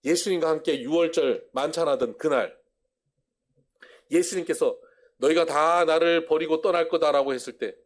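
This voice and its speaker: A man voicing a blunt, gruff middle-aged male apostle who talks in a brusque, scolding way and then confesses. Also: on the high side, moderate pace, voice pushed up, natural voice. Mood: reminiscing.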